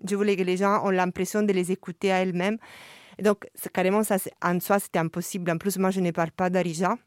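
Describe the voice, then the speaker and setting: Hesitant woman with a smooth, dry voice. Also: on the low side, flat delivery, fast talker, a little mellow, dry recording. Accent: non-native French accent. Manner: hesitant, searching for words, many fillers and restarts. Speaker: artist discussing her radio work. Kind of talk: reflective discussion at a listening session.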